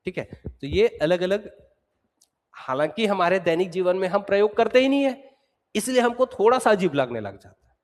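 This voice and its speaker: A man's voice: sits high, lively intonation, normal speed. A male teacher giving an exam-prep lecture, explaining step by step and repeating sounds aloud to drill them. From Chhattisgarh, India. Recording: long hall reverb.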